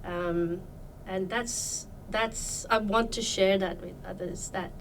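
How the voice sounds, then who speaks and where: Woman from Iran, slow unhurried talk, hesitant fillers, slightly distant mic, faint noise. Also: medium pitch, fairly even intonation, vocal fry. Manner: thoughtful, hesitant, many fillers. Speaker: guest. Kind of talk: casual interview chat.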